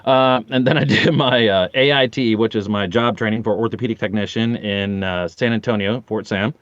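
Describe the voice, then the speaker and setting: At normal speed and with a lowish voice, an audio drama voice actor in his forties chats casually on a podcast, animatedly acting out the dialogue in his stories. The sound is lo-fi with no echo.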